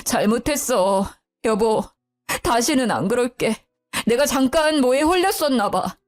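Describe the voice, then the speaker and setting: A guilty husband begging his wife not to tell anyone, as a woman narrator puts him on. The voice sits a little high and moves a lot. Soft music plays faintly behind. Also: animated, a little slow. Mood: pleading. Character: pleading grown son, a guilty husband.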